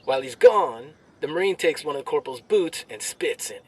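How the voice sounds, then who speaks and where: An actor playing a brash, crude army soldier telling jokes with swaggering military banter and drawn-out delivery. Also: male voice, fairly high pitch, animated, breathy edge, far from the mic. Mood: cocky, joking. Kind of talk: military banter, performed joke storytelling.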